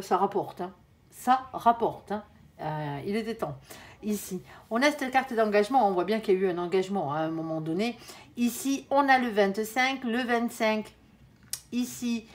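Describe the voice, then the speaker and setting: Chatty woman doing a tarot reading. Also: on the high side. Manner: chatty, colloquial, full of "hein" and "euh" fillers, addresses the viewer as "mon ange"; thinks aloud while turning cards, with self-corrections and laughs. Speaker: tarot reader. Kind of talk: casual tarot reading for viewers.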